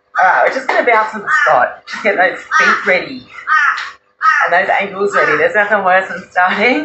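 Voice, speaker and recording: At a moderate pace, a woman speaks over noticeable background noise. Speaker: fitness instructor. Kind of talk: workout instruction. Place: garden. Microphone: camera far.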